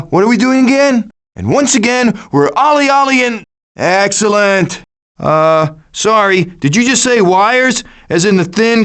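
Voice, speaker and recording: High-voiced cocky raccoon schemer RJ. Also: male voice, fairly bright tone. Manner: sarcastic, glib, quippy. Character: wisecracking raccoon schemer, cocky male leader of foraging animals. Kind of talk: animated video game voice lines.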